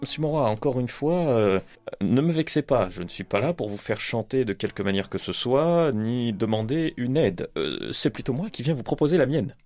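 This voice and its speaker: A man's voice: mid-range voice, very animated, normal speed, darkish tone, soft background music. A man voicing a pompous, earnest cemetery guard and amateur poet in a hammy, theatrical stage-actor manner, improvised in a role-playing game. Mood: offended dignity.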